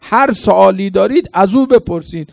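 High gravelly-voiced male preacher. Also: lively intonation, no echo. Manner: dramatic, quizzes the congregation. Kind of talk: colloquial sermon with storytelling.

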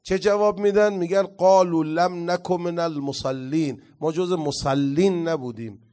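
A man giving an impassioned religious lecture as a cleric, reciting Arabic quotations slowly and swinging between loud declaiming and quiet asides. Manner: impassioned, rising to loud declaiming then dropping low.

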